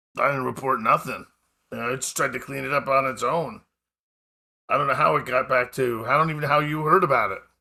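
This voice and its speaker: Very fast, raspy put-on character voice from a man at medium pitch, on a very clean recording with a silent background. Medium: actual play. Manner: blunt, ungrammatical street talk.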